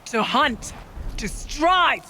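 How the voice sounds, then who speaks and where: An actress playing a proud, solemn tribal shaman in a video game, speaking in formal, measured, archaic phrases. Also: high voice, lively intonation, sharp tone, slight background noise, full character voice. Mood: solemn, ceremonial. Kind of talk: dramatic video game acting. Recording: music underneath.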